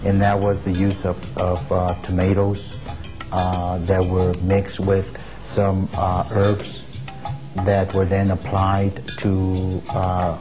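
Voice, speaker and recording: A man from Texas recalling his family's home remedies, speaking haltingly with many fillers. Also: sits low, monotone, over music. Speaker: interviewee. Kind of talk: personal recollection.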